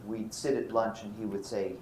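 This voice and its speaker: With a fairly low pitch, fairly even intonation and moderate pace, an American man from Brooklyn gives a physics lecture, posing his own questions and answering them amid anecdotes. He speaks in a lecture room. The recording carries roomy echo and faint background noise.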